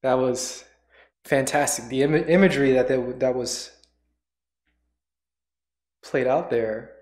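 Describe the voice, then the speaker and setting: A man's voice: medium pitch, slow, a little mellow. A man hosting a casual chat, reacting and searching for words, recorded in a roomy space. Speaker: host reacting to a radio play. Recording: roomy, echoing sound.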